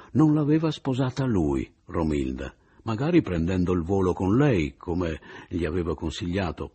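A man reading a novel aloud as an audiobook, lively and expressive, giving the characters' lines their own turns. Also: low-pitched, husky. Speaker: narrator.

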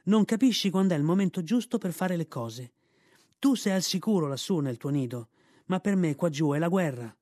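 A man's voice: fairly high pitch, animated, normal speed, a little mellow, no echo, studio quality, lightly acted. Brave mongoose hero, brusque and bossy, read by a man. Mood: impatient. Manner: brusque, commanding. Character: brave young male mongoose, bold and impatient.

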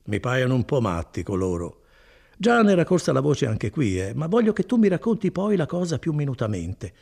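A man doing a chatty old cousin, gravelly and lively. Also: mid-range voice, normal speed, voice pushed up, heavily acted. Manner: animated, folksy storytelling with chuckles. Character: chatty good-hearted older male cousin, a mill foreman.

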